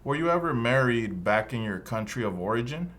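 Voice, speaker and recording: Lively in intonation and fairly quick, his mid-range voice is natural and fairly bright. He plays a male immigration officer conducting an interview, posing formal, neutral questions in a scripted practice dialogue.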